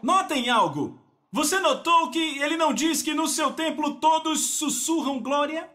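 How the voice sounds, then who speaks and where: Male preacher: very high, lively voice, emphatic Pentecostal delivery. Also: measured pace. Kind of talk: Pentecostal sermon.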